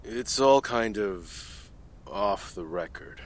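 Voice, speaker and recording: A man's voice: on the low side, animated, slow pace. An actor playing a male government analyst giving testimony in a casual, offhand manner. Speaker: CIA technical analyst testifying. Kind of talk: audio drama acting.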